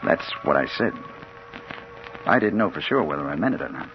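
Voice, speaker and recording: Hard-boiled crime reporter, tense narration,, animated, old radio. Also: male voice, a bass voice, a little fast, music in the background, heavily acted. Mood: brooding. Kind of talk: 1940s radio acting. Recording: dull old radio broadcast.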